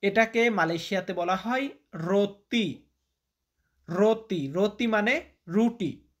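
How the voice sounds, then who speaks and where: A man's voice: sits high, slow. A man teaching vocabulary, repeating each word and quizzing the listener. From Bangladesh. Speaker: language teacher. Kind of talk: vocabulary lesson.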